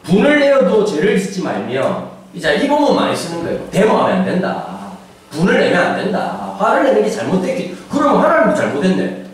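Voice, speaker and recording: A pastor in his forties giving a humorous, animated sermon, now and then acting out voices and shouting for effect. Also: sits high, fairly quick. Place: church sanctuary. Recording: echoey church hall, distant mic, faint ambience.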